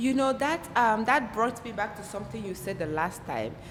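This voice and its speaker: Amid noticeable background noise, a woman with a Nigerian accent speaks with very wide pitch swings. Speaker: podcast host. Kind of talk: podcast interview. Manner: hesitant, many fillers.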